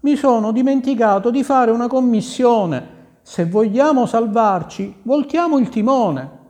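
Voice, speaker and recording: A man's voice: very high-pitched, lively intonation, unhurried, a little mellow, in a large hall, pitched above the performer's own voice. A man voicing a worried merchant in a storybook tale, speaking urgently with a raised voice. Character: worried middle-aged male merchant. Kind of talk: storybook reading.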